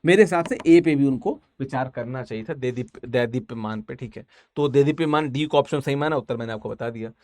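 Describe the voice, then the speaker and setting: A man's voice: medium pitch, brisk, a little mellow, no room sound. A man teaching an online exam-prep language class, talking casually and repeating each answer several times.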